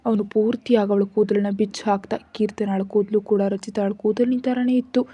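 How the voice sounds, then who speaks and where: A woman narrating a scripted story in a steady, even reading. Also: mid-range voice, normal speed, husky. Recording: dull lo-fi recording.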